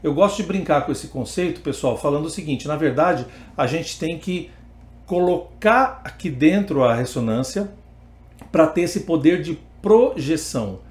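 In an echoey room, a man with a Brazilian Portuguese accent teaches an online singing lesson, his voice on the high side, expressive, and at normal speed. He explains things step by step, then sings vowel examples to demonstrate.

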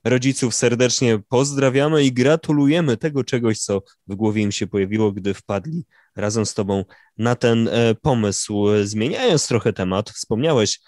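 A man's voice: mid-range voice, moderate pace, few pauses, a little mellow, no echo, clean studio sound. A man hosting an interview, asking questions politely and a little formally. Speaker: podcast host.

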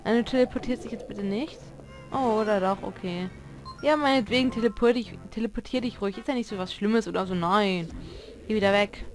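A woman's voice: medium pitch, brisk, music in the background, poor audio. A woman giving casual, chatty gameplay commentary, swearing at the game as she plays. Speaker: let's player.

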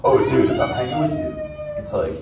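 A man's voice: very high voice, wildly swooping pitch, fairly quick, creaky, heavily acted. A man voicing a laid-back male surfer sea turtle who drawls "dude" and "man" through a live show. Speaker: live show performer talking with an audience. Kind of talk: live interactive theme show. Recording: roomy, distant mic, ambient noise.

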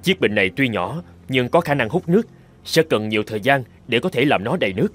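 A man's voice: mid-range voice, animated, quick pace, fairly bright tone. A man playing a scheming runaway tribal chieftain in a dubbed fairy-tale cartoon, with dramatic storybook delivery. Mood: feigned pleading.

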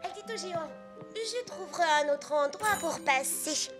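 Gentle young girl storyteller for a cartoon, soft, lilting and dramatic, music underneath. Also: very high voice, animated, moderate pace. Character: gentle young girl storyteller reading fairy tales to little ones. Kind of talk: storybook narration in a children's cartoon.

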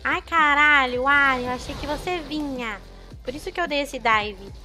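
Bright, high-pitched Brazilian woman streamer. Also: moderate pace, soft background music. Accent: Brazilian Portuguese. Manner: chatty, greets viewers, excitable outbursts. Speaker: streamer playing a game. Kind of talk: casual gameplay commentary.

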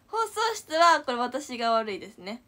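A young woman in her twenties with a Kansai accent, telling a story to viewers in an animated, giggly way. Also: on the high side. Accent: Kansai Japanese. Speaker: idol livestreamer.

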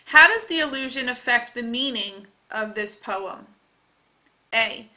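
A woman teacher reading scripted test questions aloud in a deliberate, carefully enunciated way. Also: a little high, expressive, pushed and bright.

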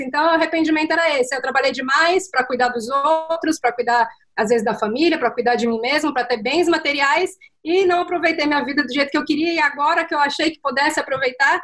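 A woman in her thirties with a bright, high voice tells her story on a video call from a small room at home. She talks in a reflective way, full of pauses and little fillers. Her voice comes through a laptop microphone. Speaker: guest, former nurse. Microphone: laptop webcam on video call.

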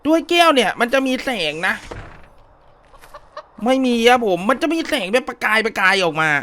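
A man's voice: very high voice, big pitch swings, moderate pace, bright, forceful tone. A man hosting a horror-game let's play, chatting politely with viewers and often exclaiming and laughing. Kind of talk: casual horror-game commentary.

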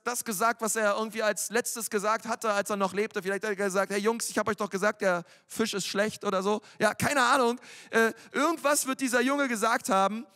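A man's voice: high-pitched, pushed and bright, long reverb tail. A male pastor preaching a sermon in a casual, youthful way, with frequent fillers and slang. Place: church hall.

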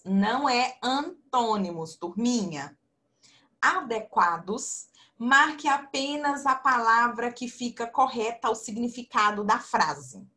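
A woman teacher walks young children through a quiz on a video call, with a slightly high voice that rises and falls in a lively sing-song. She talks slowly and patiently, stretching words as she explains. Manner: slow, sing-song teacher talk to children, calls herself auntie. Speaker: primary school teacher. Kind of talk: online class for young children. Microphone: computer mic on video call.

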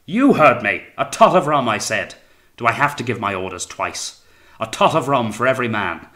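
Tyrannical ship's captain: imperious, paranoid, menacing bark, forceful edge, audiobook drama. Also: male voice, low voice, normal speed. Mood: enraged. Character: raging, bellowing, paranoid tyrannical sea captain.

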